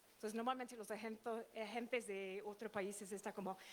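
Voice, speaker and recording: Noticeable background noise sits behind a woman with a British accent. Her pitch is fairly high and her pace moderate. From United Kingdom. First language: English (speaking Spanish). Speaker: theatre director and producer. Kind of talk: panel discussion. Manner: halting.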